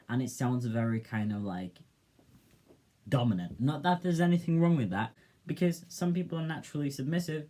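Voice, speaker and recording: A young man with a soft, gentle voice, talking in a reflective, hesitant way in a casual personal vlog. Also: mid-range voice. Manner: reflective, hesitant, with many fillers. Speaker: vlogger.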